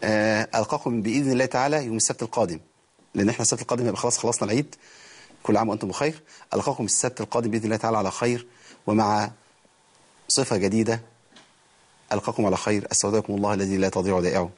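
Fast-talking Egyptian man teaching recitation. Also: on the low side, breathy edge. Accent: Egyptian Arabic. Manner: explains rules in quick colloquial speech, then recites verses slowly and drawn out. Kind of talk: TV recitation lesson.

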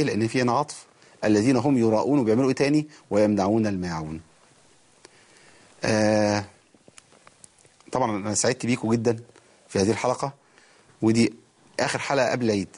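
A man with an Egyptian accent teaching Quran recitation on a TV programme, explaining rules in quick colloquial speech and reciting verses slowly. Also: on the low side, slightly rough. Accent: Egyptian Arabic. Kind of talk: TV recitation lesson.

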